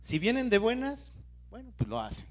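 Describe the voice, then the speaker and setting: Lay preacher, man, high voice, questions the congregation throughout a sermon. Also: huge pitch swings, moderate pace. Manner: questions the congregation and urges them to stay alert; keeps calling out to his listeners.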